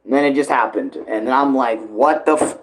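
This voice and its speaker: A man's voice: medium pitch, brisk, slight background noise, low-quality recording. A man doing casual live reaction commentary as a streamer, talking in slang with a lot of swearing.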